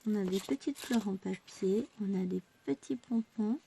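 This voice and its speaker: A woman's voice: mid-range voice, normal speed, vocal fry, dark tone, a little hiss or hum. A woman chatting casually through a craft shopping haul, self-mocking and exclaiming over each item.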